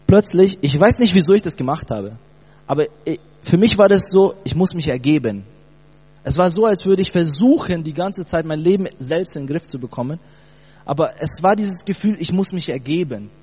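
A man's voice: on the high side, brisk, slightly rough. Man, from Brazil, late 20s, faith testimony, youth slang, humming background. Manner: casual youth slang, animated storytelling. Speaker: church testimony speaker. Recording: long hall reverb with mains hum.

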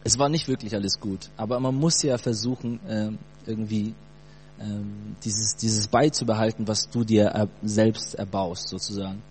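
A man in his late twenties from Brazil, telling his personal faith story in a casual, animated way with youth slang. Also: on the low side, normal speed. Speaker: church testimony speaker. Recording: long hall reverb with mains hum.

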